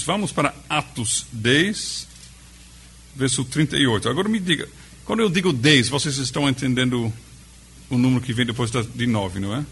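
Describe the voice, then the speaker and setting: A man with a foreign accent in Portuguese, teaching a Bible study to a group in a conversational way, with pauses and questions to the audience. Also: mid-range voice, fairly bright tone, slightly rough. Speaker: pastor.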